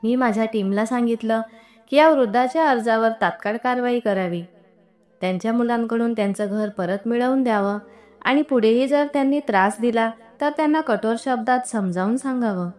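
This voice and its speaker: A woman reading an emotional first-person story aloud in a steady, earnest storytelling tone. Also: on the high side, moderate pace. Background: faint background music.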